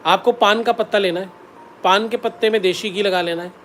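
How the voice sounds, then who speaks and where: A man's voice: high-pitched, fairly even intonation, a little fast, a bit bright, a little hiss or hum. A man, a spiritual teacher, giving devotional advice in an instructive way, repeating the key steps and intoning mantras.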